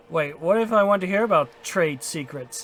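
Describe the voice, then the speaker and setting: Using a put-on character voice, a man talks at a moderate pace and high pitch with lively intonation. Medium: actual play. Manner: blunt, impulsive.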